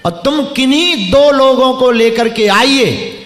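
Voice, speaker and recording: A preacher leads a religious gathering before a live crowd in a packed stadium, teasing and bantering with the people he calls up. His voice is extremely high-pitched for a man, slow and a bit bright, in an echoey space.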